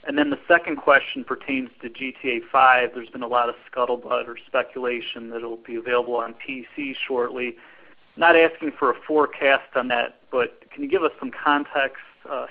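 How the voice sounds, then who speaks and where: A man's voice: mid-range voice, fairly even intonation, normal speed. Male analyst calling on a phone line. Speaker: financial analyst. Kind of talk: questions on an earnings call.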